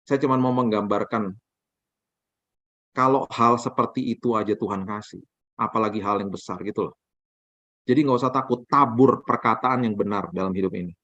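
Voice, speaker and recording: Low-voiced male preacher, animated storyteller, dry dull recording. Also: dry recording. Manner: animated storytelling, acts out dialogue. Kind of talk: sermon with personal story.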